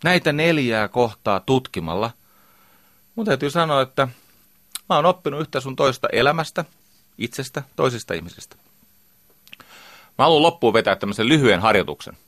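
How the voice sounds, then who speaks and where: A man's voice: mid-range voice, expressive, pauses often, fairly bright tone, dry recording, clean studio sound. A middle-aged man giving a lecture as a communication trainer, emphatic and full of rhetorical questions.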